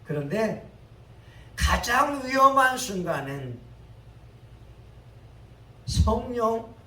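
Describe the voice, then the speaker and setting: A male pastor delivering a sermon, building up to loud, dramatic exclamations. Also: very high-pitched, very animated, drawn-out words. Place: church sanctuary. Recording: echoey church hall, mic at a distance, faint ambient noise.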